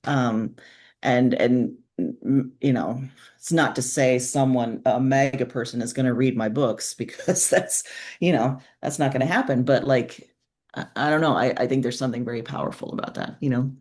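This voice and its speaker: A woman's voice: very deep voice, normal speed, darkish tone. A woman talks as a guest in a casual interview. Her delivery is earnest and informal, conversational in its phrasing and loosely peppered with everyday filler words. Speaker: interview guest, author and podcaster.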